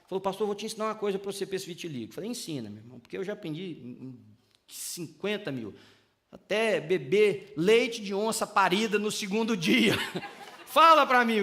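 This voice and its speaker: A man preaching as a pastor, animated and joking, acting out prayers and little scenes. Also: sits high. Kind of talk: sermon.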